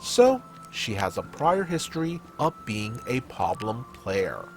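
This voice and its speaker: A man's voice: medium pitch, sing-song, takes it slowly, faint music behind. A man hosting a story-reading show, narrating scripted gaming tales in a theatrical, emphatic storytelling manner. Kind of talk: dramatic scripted narration of online tabletop gaming stories.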